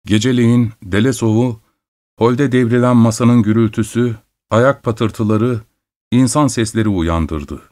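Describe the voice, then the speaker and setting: A man reading a classic novel aloud as a steady audiobook narrator. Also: medium pitch, a little slow, no room sound, studio quality.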